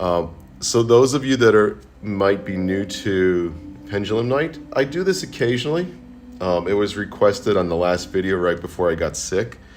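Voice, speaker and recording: A man at a fairly low pitch and moderate pace, with lively intonation over noticeable background noise. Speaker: psychic medium. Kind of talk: live stream spirit session. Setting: live stream. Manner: casual, filler-heavy.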